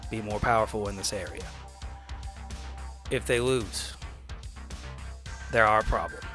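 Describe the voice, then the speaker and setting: Lowish-voiced man improvising at a game table. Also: steady tone, pushed and bright, soft background music. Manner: casual, halting, persuasive. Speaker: player in a tabletop roleplaying game. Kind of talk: improvised in-character negotiation and table talk.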